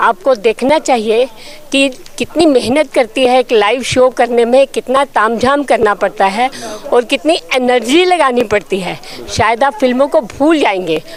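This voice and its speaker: Her voice is high-pitched. This woman is heard against noticeable background noise. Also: lively intonation. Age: 70s. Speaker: stage actor. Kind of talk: post-show interview.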